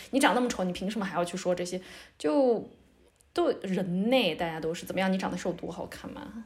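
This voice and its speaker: Lively intonation from a woman at medium pitch, a fairly quick pace, and noticeable background noise. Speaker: mother. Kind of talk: casual chat.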